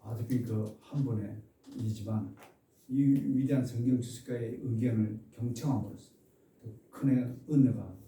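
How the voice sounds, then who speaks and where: A man preaching an expository sermon as a pastor. He stresses key words with loud exclamations and asks the congregation questions. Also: medium pitch, steady tone, normal speed. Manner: asks the congregation questions and has them repeat phrases. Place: church sanctuary. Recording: echoey church room, mic at a distance.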